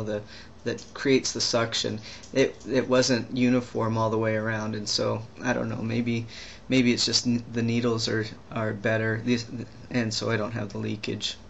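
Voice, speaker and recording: A young trans man vlogger rambles through a personal video diary, halting and restarting sentences often and using many fillers. His gravelly voice stays level with little rise or fall, the highs are cut off, and a faint steady hiss runs under the camera-mic recording.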